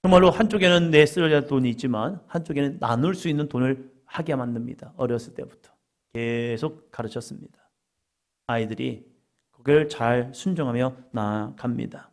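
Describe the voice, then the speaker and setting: A man's voice: mid-range voice, normal speed. A middle-aged man preaching a conversational sermon as a pastor, acting out quoted inner voices as he goes.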